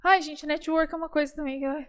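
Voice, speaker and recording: A Brazilian woman speaking as a guest in a casual podcast interview, animated and playful, often addressing the audience directly. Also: high voice, fast talker. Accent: Brazilian Portuguese.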